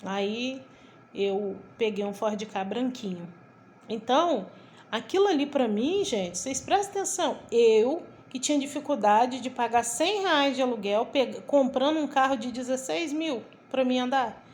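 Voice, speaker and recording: A woman's voice: sits high, measured pace, a little hiss or hum. A middle-aged woman with a Brazilian Portuguese accent giving a personal faith testimony, telling it vividly and acting out the quoted dialogue. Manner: lively storytelling, acts out quoted dialogue, repeats herself. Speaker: testimony speaker.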